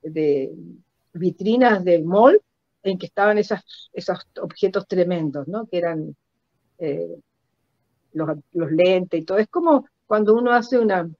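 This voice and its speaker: An older woman with a Chilean accent recounts personal stories reflectively in an interview, halting and repeating words for emphasis over a video call. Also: on the low side, no room sound. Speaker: guest performance artist. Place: indoor room at home. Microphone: computer mic on a video call. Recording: dull lo-fi video call audio.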